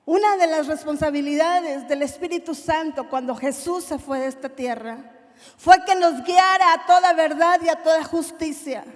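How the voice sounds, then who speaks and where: A woman with a Mexican Spanish accent preaching a sermon, impassioned, moving from hushed to loud. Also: high-pitched, normal speed, long reverb tail.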